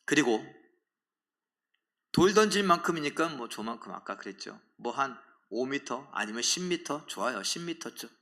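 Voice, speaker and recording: A man's voice: medium pitch, lively intonation, normal speed, pushed and bright. A male pastor preaching a sermon in a dramatic way, often putting questions to the congregation.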